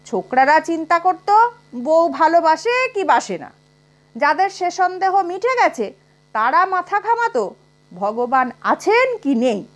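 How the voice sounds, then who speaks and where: A woman narrating a comic short story aloud in an expressive, unhurried manner. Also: extremely high pitch.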